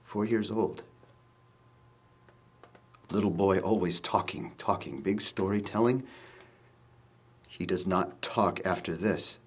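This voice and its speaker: Grave man's letter, low and hushed. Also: fairly even intonation, takes it slowly, long pauses, breathy edge, full character voice. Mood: somber. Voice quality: quiet, broken English, somber. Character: grieving Iraqi man writing a letter. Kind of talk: voice-over letter reading.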